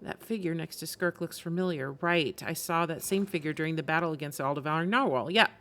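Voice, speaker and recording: A woman's voice: deep voice, quick pace, fairly bright tone. A woman game streamer giving casual live reactions, musing aloud in a conversational way.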